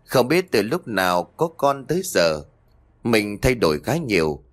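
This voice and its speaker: Low-voiced man telling a story. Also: sing-song, measured pace. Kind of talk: dramatic story narration.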